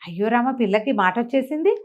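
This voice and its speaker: Woman doing old village mom from a bedtime tale, high voice, fussy n exclaiming, very affectionate. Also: lively intonation, a little fast, darkish tone, highs cut off, lightly acted. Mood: astonished.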